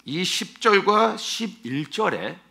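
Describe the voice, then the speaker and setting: A male pastor preaching an expository sermon, emphatic and animated, often asking his listeners rhetorical questions. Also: high-pitched, slow, gravelly.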